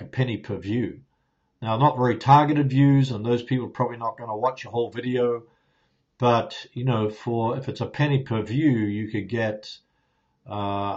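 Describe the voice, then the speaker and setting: This is a casual live Q&A where a man from New Zealand, a YouTuber, chats through what viewers ask, restarting often and padding pauses with fillers in an easygoing, meandering manner. A lapel mic clipped to a phone records his mid-pitch voice in a home studio with plants, softboxes and a ring light, giving a somewhat dull, lo-fi sound.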